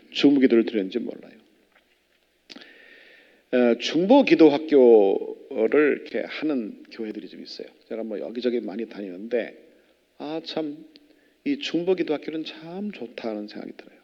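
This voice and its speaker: A man preaching a sermon as pastor, animated and firing rhetorical questions at the congregation. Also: mid-range voice, normal speed. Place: church sanctuary. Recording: long church reverb, dull lo-fi.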